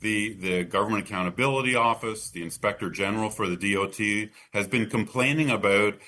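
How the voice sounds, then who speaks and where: A North American man answers as a policy expert in an interview. His voice is fairly low but bright and forceful, and he explains haltingly, restarting phrases as he goes.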